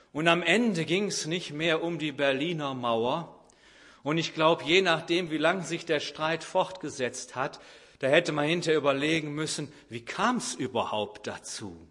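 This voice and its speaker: A man with a fairly high voice delivering a sermon. He explains through a homely example and slips into the voices of the people in it. His delivery is lively and conversational. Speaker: preacher.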